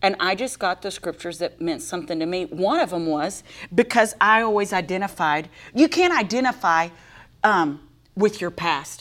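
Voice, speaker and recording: A woman speaks in a Texan accent at a medium pitch with lively intonation. The recording is very clean, the background silent. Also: moderate pace. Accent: Texan American. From Texas. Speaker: preacher. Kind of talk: casual chat about faith. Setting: studio.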